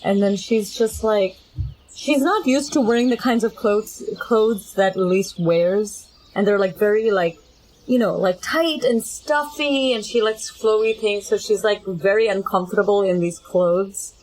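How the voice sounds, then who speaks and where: A woman's voice: medium pitch, unhurried, a little mellow, poor audio. A woman playing a tabletop game, casually improvising what her character does and peppering it with "like".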